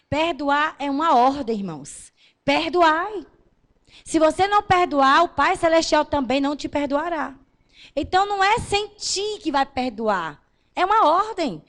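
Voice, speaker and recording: A woman pastor delivering a fervent sermon in a high, bright voice. She speaks straight to the congregation, building to loud emphatic declarations, then dropping to soft, tender lines. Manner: addresses the congregation directly.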